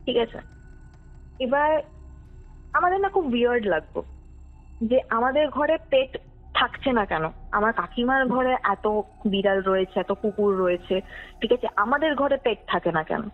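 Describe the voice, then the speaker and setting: A woman's voice: on the high side, expressive, normal speed, pauses often. A young woman tells a personal story conversationally, dropping in English words and checking that her listener follows. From West Bengal, India. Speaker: podcast guest telling her true ghost story. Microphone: phone call. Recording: tinny phone call, music underneath. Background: background music.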